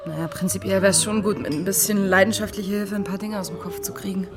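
A woman's voice: mid-range voice, fairly even intonation, fast, music in the background, close to an everyday voice. An actress playing a cool, sardonic woman in her thirties in a naturalistic radio drama, with a dry, blunt delivery. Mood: teasing, evasive. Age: 30s.

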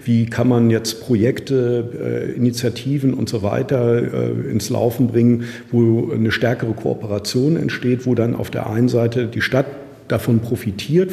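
A man's voice: mid-range voice, vocal fry, warm tone. A male professor answering an interview question, hesitant with many fillers. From moved here from Berlin. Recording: roomy with long reverb.

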